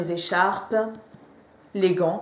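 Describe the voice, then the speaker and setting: A woman with a medium-pitched voice and fairly even intonation speaks in a room with audible echo and noticeable background noise. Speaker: vlogger, working mum. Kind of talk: casual haul video chat.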